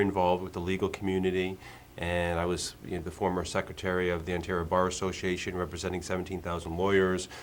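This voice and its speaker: A man's very deep, low voice at a very fast pace, flat and monotone throughout. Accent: Canadian. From Canada, Polish immigrant family. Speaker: politician, former trial lawyer. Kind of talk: interview.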